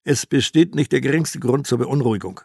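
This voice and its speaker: An older man in his eighties playing a reassuring male stock-market expert on television, speaking loud and bland. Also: mid-range voice, fairly quick, creaky, breathy edge, dry recording, clean studio sound. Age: 80s.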